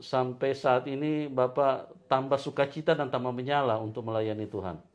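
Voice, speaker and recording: A man's voice: mid-range voice, fairly even intonation, normal speed. A man hosting a church interview, introducing the guest and drawing out his story with brief encouraging prompts. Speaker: interview host. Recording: dull lo-fi sound.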